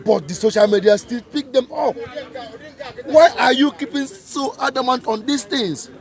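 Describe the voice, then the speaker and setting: Man, high voice, rallying a street protest, faint crowd behind. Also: moderate pace. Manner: repetitive, emphatic rhetorical questions. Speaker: protest speaker. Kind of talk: impassioned outdoor protest speech.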